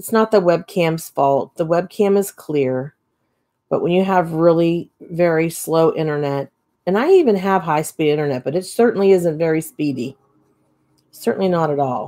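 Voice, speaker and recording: A woman has an unremarkable speaking voice, with a fairly low pitch and ordinary pitch variation. She keeps a moderate pace against a quiet background. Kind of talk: casual livestream tutorial chat. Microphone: studio mic.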